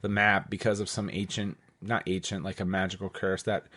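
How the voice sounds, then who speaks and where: A man's voice: low voice, flat delivery, fairly quick, pushed and bright, no echo. Rambling man on a podcast, dry sound. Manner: rambling, peppered with "like" and swearing. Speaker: podcast host. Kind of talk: casual podcast chat.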